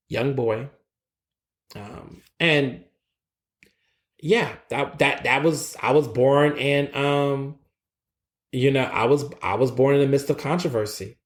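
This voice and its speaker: A man in his twenties hosting a solo opinion podcast, blunt and sassy, often restarting his sentences, tired after a long late night. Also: mid-range voice. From United States. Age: 20s. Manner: animated, sassy and blunt, with frequent restarts and stammers. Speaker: podcast host.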